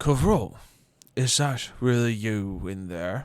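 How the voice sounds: A man speaks in a put-on character voice, gruff and at medium pitch. His pace is fairly slow, with ordinary pitch variation.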